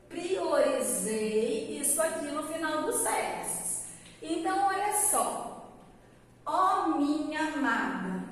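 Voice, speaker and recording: Woman teacher, patient explainer who sings out words; long reverb, faint noise behind. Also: sits high. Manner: explanatory, checks in with "certo?" and "tá?"; calls out words in a stretched, sung tone. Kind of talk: recorded classroom lesson. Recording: echoey hall from far off, faint background noise.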